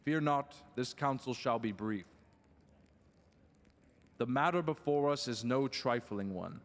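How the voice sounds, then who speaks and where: A voice rings through a long, echoing hall. It is a man performing a stern fantasy king of middle pitch, grave and commanding, a protective father who speaks in formal, archaic phrases. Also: measured pace, lightly acted. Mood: grave, measured. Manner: formal archaic speech, solemn and authoritative. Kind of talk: fantasy audio roleplay acting.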